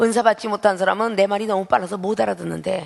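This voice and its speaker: The tone is animated. The pace is fairly quick. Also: woman. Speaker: pastor. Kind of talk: sermon. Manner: fast.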